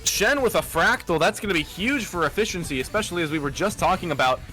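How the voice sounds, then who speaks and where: Bright-voiced male game commentator. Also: sits high, quick pace, soft background music, poor audio. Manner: analytical, steady, frequent "uh" fillers. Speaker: esports commentator.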